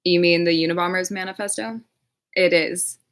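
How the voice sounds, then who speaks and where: Chatty woman on a livestream, lowish voice, rambly, says like a lot, swears casually. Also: fairly even intonation, normal speed, clean tone. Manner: rambling, frequent filler words and casual swearing. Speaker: true crime creator.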